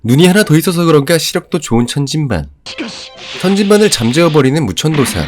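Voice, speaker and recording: Fast, animated man narrating a recap. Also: on the high side, over music. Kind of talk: scripted narration of an anime review.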